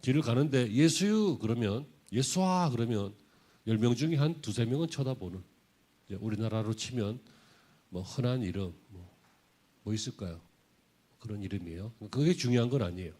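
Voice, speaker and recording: A middle-aged man preaching a Sunday sermon as pastor, moving from quiet conversational storytelling to loud, emphatic declarations. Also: fairly low pitch, normal speed, long pauses, slightly rough.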